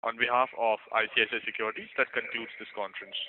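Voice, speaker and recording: A man's voice: mid-range voice, fairly even intonation, fast talker, slight background noise. A man moderating a conference call in formal, scripted phrases. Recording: tinny narrowband phone line.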